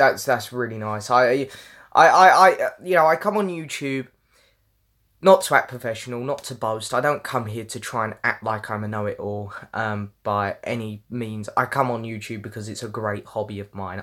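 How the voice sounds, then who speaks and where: A man's loudness swings a great deal as he talks fairly quickly. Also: very clean recording, silent background. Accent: London. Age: 20s. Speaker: YouTuber. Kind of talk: casual chat. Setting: livestream from home. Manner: halting.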